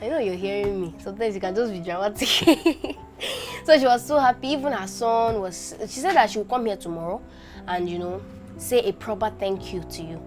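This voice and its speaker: A woman's voice: medium pitch, brisk, a little mellow, natural voice. A woman playing a grieving orphaned young girl who pleads and sobs over and over. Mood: coaxing. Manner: repeats pleas, sobbing. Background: music score.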